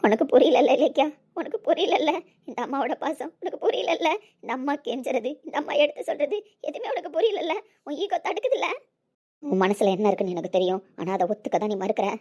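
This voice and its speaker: A woman's voice: mid-range voice, level tone, racing, warm tone, close to an everyday voice. A woman playing a desperate middle-aged mother who pleads with and scolds her daughter in an emotional family drama. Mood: anguished. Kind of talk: Tamil web-series acting.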